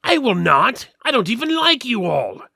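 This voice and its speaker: A man's voice: extremely high pitch, very animated, moderate pace, gravelly, sharp tone, no room sound, studio quality, voice pushed up, full character voice. A man voicing a pleading, chatty skeleton in a fantasy story, insistent and wheedling. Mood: exasperated, chatty. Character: pleading, chatty male skeleton, bored caged undead father. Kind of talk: fantasy audiobook dramatic reading.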